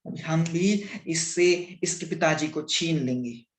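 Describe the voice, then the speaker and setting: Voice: mid-range voice, takes it slowly, close to an everyday voice. A speaker voicing seething vengeful brothers. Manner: brooding, seething, repetitive. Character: vengeful brothers plotting revenge. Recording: roomy echo.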